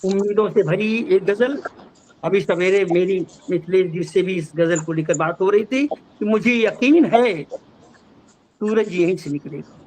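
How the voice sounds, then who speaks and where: A man's voice: high-pitched, measured pace, a little mellow, a little hiss or hum, low-quality recording. A man, a poet, reciting his ghazals over a video call and repeating each couplet twice.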